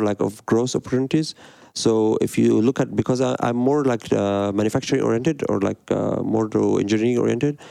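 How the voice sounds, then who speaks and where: Gravelly low-voiced man from Egypt. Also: dark tone, dry recording. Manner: hesitant, many fillers and restarts. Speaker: guest, design studio director. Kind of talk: conversational interview answers.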